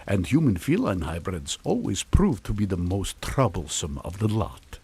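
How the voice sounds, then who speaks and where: Genial, animated older scientist. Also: male voice, low voice, moderate pace, slightly rough, heavily acted. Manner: breezy, chuckling, mild-mannered politeness. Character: genial older male scientist, unflappable, politely teasing rival. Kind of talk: comic radio suspense drama acting.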